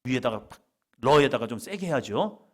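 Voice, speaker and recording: A middle-aged man preaching a worship sermon, dramatic, swinging from loud cries to quiet asides and leading the congregation in call-and-response. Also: medium pitch, expressive, moderate pace. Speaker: pastor. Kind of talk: lively evening worship sermon.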